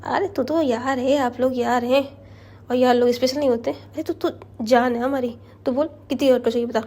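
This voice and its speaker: A woman's voice: high-pitched, fairly even intonation, moderate pace, dark tone. A woman voicing a brash young woman who uses street slang and stammers when cornered. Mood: cocky, teasing. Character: brash tapori-talking young woman, cocky.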